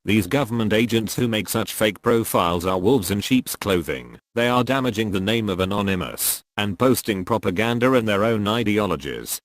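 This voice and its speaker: A man speaks through a disguised deep voice, low and dry with no room sound around it. He reads a scripted statement in a solemn, formal warning tone, like an anonymous spokesperson. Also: dry recording. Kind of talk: scripted statement read aloud.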